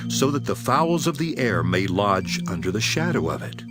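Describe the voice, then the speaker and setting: Authoritative man teaching parables in scripture drama: solemn, deliberate preaching, very wide melodic swings, strong music underneath. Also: fairly low pitch, big pitch swings. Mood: earnest, authoritative. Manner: declamatory, deliberate preaching delivery. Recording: prominent music behind the voice.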